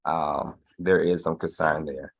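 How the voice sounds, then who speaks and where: A man prosecutor who is hoarse from a cold, making a formal objection in court. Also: very deep voice, fairly even intonation, measured pace, slight background noise. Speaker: state prosecutor. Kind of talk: courtroom argument.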